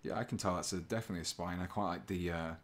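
Male streamer, deep and even, relaxed chatty delivery at a painting desk. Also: racing. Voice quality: low, fairly monotone voice. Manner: relaxed, chatty, chuckles often, reads chat aloud. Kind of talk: casual live stream chat while painting.

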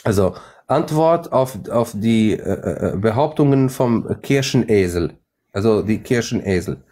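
A man hosting a phone live stream in German, which is not his first language. He talks in a fairly low voice and keeps restarting, with fillers and loose grammar. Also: expressive, mellow. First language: Arabic. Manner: halting, many restarts and fillers, non-native German grammar. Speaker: livestream host. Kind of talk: casual live-stream debate chat.

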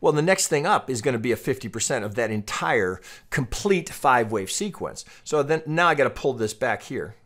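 Man giving halting, explanatory chart commentary. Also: medium pitch, expressive, a bit bright. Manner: explanatory, repeats and restarts phrases often. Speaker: trading analyst and coach. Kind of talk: unscripted chart commentary, technical analysis tutorial.

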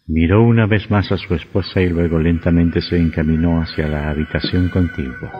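A man narrating a radio drama in a measured, suspenseful way. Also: sits low, steady tone. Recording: dull lo-fi audio with faint music.

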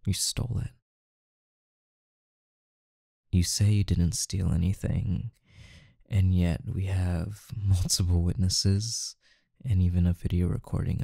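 A man playing a calm, intimidating, teasing mafia boss in an ASMR roleplay, with a menacing yet softly coaxing delivery and deliberate pauses. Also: low voice, vocal fry, dry recording, clean studio sound, full character voice. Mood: calm menace.

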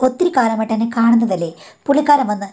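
A woman's voice: a little high, very fast, dark tone. A woman narrating her own life story in a confiding, indignant tone, often addressing her listener as madam.

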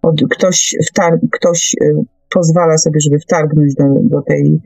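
Slow, creaky-voiced woman radio host. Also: low voice, little pitch movement, mellow, no echo, soft background music, rough recording. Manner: halting, deliberate, frequent long hesitations. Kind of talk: conversational radio discussion.

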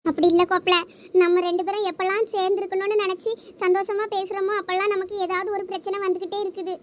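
A woman's voice: extremely high pitch, level tone, fast talker, lo-fi sound, slight background noise. A young woman acting a wife in a village comedy skit, with pleading, tearful complaints.

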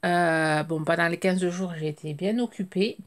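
A woman's voice: on the low side, moderate pace. A woman hosting her craft channel, chatting casually to viewers with many hesitant fillers.

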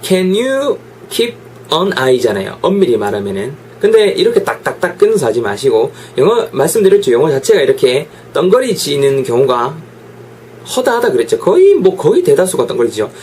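A man's voice: medium pitch, a little fast, a little hiss or hum. Guy teaching english, bouncy voice going up and down, repeats words over and over. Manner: lively, drills pronunciation with repeated examples. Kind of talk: online English lesson.

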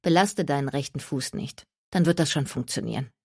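A woman's voice: rumbling low, lively intonation, brisk, creaky, a little mellow, breathy edge, no room sound, clean studio sound, full character voice. A woman voicing a practical, firm woman who speaks in a matter-of-fact way.

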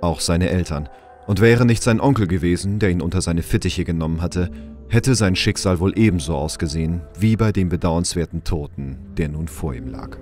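Low-voiced male audio drama narrator. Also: normal speed, a little mellow, faint music behind.

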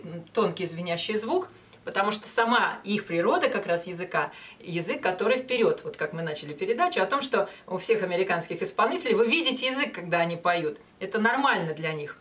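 Female voice teacher, 40s, mid-range pitch. Explanatory lesson delivery with thinking pauses, miked from a short distance. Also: animated, a bit bright. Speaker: vocal coach. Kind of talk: instructional talk with short sung demonstrations. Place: small indoor studio with banner backdrop. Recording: voice some distance from mic.

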